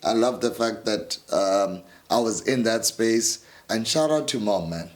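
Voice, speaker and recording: A man with a South African accent, a radio host and producer, telling stories in a casual interview at his house, laid-back and animated. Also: on the low side, unhurried. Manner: animated storyteller, acts out quotes, laid-back.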